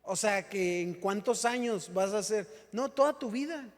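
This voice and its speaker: High-voiced pastor in a reverberant church. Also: male voice, animated, normal speed. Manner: jokes and asks the congregation questions. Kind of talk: humorous conversational sermon. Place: church hall. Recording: church hall with long reverb.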